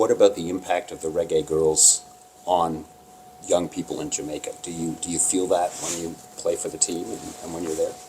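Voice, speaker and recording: A man talks at a fairly quick pace with big swings in loudness. Noticeable background noise is present. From not Australia. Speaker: reporter. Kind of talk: press interview.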